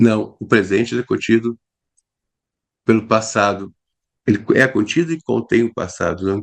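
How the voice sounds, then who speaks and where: Speaking at a moderate pace with long, frequent pauses, a man uses a medium pitch and ordinary pitch variation, recorded with a dry, close sound and no echo. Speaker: heritage official and lecturer. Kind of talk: lecture.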